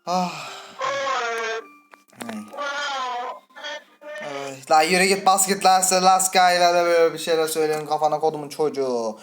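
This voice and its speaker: A woman playing a horror game and commenting with a Turkish accent, chatty and full of swearing, breaking into startled high shrieks. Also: moderate pace, pauses often, noisy background. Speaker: gaming channel host. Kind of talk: let's play commentary. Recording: faint game music behind.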